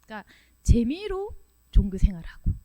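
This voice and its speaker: A woman's voice: a little high, big pitch swings, normal speed, warm tone. A woman preaching at a Friday prayer meeting, emphatic and full of rhetorical questions, acting out the voices she quotes.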